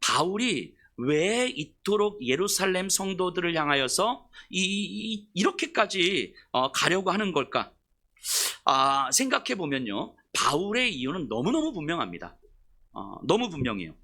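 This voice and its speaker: A man preaching a sermon as pastor, telling the story in an animated way and putting questions to his congregation. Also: sits high, a little slow.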